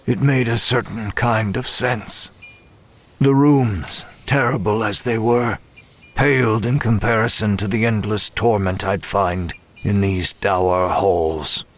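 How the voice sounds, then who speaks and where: An actor playing a weary, tormented man who narrates his ordeal in a horror audio drama, grave and deliberate with halting pauses. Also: on the low side, fairly even intonation. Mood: grim, resigned.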